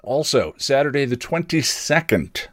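A man's voice: medium pitch, very animated, unhurried, fairly bright tone, no room sound. A man hosting a podcast, giving casual, rambling announcements with dry, self-deprecating humour. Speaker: podcast host and streamer.

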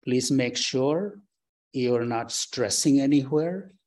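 A man leading a guided breathing meditation, giving slow, calm, soft instructions with long pauses. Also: medium pitch. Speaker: meditation teacher. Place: temple or meditation hall.

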